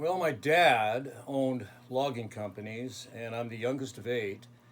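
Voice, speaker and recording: Over audible room echo, a man of medium pitch talks at a fairly slow pace with ordinary pitch variation and big swings in loudness. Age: 60s. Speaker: retired logger. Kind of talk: interview. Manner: hesitant, many fillers.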